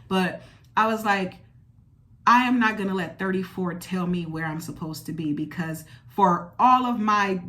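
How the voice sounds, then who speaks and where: Blunt, expressive woman in her thirties. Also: on the low side. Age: 30s. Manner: expressive, blunt, swears freely. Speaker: podcast host. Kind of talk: candid solo monologue.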